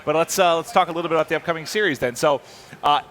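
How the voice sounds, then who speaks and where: A man talking very quickly in a bright, forward voice, filling downtime between matches. His chat is loose and chatty, and he keeps stopping to correct himself mid-sentence. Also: fairly high pitch. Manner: fast, chatty, self-correcting. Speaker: esports commentator.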